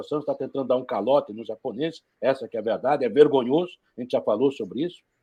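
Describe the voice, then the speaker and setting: With lively intonation, an ordinary speaking voice is heard. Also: man. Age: 60s. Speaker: football pundit. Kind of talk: casual chat.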